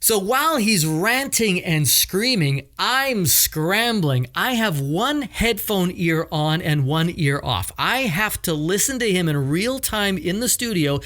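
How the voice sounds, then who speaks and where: A man's voice: sits high, expressive, slow pace, hardly any pauses, bright, forceful tone. A man hosting a podcast, narrating a scripted story in a dramatic, emphatic way. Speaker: podcast host and coach.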